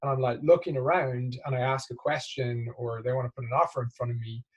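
A man's voice: mid-range voice, steady tone, fairly quick, husky, lo-fi sound. A man speaking as an executive guest in a business interview, explaining conversationally and often checking in with tag questions.

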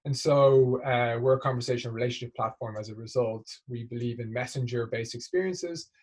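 A man's voice: medium pitch, a little mellow, slightly rough. A man speaking as an executive guest in a business interview, explaining conversationally and often checking in with tag questions.

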